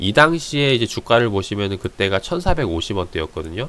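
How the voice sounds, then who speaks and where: Talking at a very fast pace, a man has a fairly low pitch. His intonation is lively. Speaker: stock investment educator. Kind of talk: stock market chart analysis talk.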